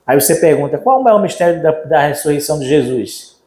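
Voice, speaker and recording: A Brazilian pastor preaches with a fairly high-pitched voice, lively and animated as he acts out the voices of people in his story. His voice rings through a roomy, echoey church sanctuary. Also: quick pace, slight background noise. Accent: Brazilian Portuguese. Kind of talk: sermon.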